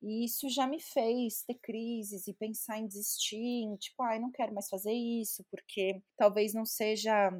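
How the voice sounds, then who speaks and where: This woman's voice is fairly high and somewhat breathy, with fairly even intonation. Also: fairly slow pace, hardly any pauses. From Brazil, São Paulo. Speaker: actress and meme creator. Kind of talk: interview.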